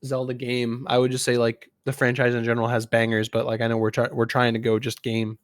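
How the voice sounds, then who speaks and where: A man's voice: mid-range voice, completely flat delivery, fairly quick, dry recording, studio quality. A man co-hosting a casual gaming podcast, chatting informally in a conversational discussion.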